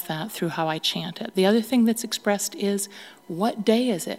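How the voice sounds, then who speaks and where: Medium in pitch with ordinary pitch variation, a woman has an unremarkable speaking voice. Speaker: synagogue cantor. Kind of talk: interview. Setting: choir practice.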